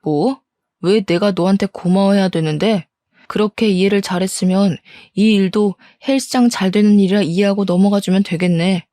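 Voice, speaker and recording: A woman's voice: medium pitch, mellow, dry recording, clean studio sound, lightly acted. A woman voicing a defiant, scornful middle-aged husband caught cheating, reading a story aloud. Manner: blustering, scornful, defensive.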